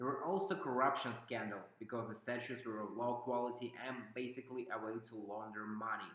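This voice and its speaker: A man with a non-native accent at medium pitch, fairly quick with hardly any pauses, fairly even intonation, and noticeable background noise. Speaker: travel vlogger. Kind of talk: travel vlog narration. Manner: casual, irreverent.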